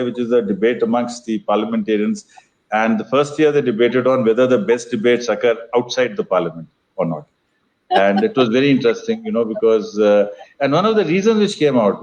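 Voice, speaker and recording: The festival organiser's voice here is mid-range and darkish, in lo-fi sound. Speaking with an educated Indian accent, the older man explains at an interview in formal, articulate language, halting and wandering as he loops back to repeat phrases.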